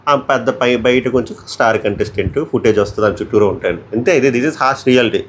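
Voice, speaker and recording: A man's voice: on the low side, slight background noise. A man with a Telugu accent giving casual, opinionated commentary on a reality show, often talking straight to the contestants.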